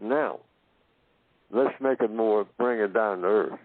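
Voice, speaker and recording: A man from Oklahoma giving a slow philosophical talk, asking himself questions and answering them, and repeating phrases to build his point. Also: fairly low pitch, no room sound. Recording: tinny phone-line audio.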